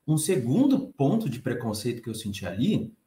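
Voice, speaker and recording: Male speaker, 30s, Brazilian accent, soft light voice, conversational talk, echoey room. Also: medium pitch, normal speed. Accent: Brazilian Portuguese. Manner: conversational, expressive, reads the chat aloud. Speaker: conference speaker. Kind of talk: conference talk.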